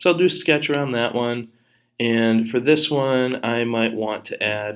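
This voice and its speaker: An ordinary speaking voice with ordinary pitch variation, on a very clean recording with a silent background. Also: man. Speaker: educational tech youtuber. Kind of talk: tutorial.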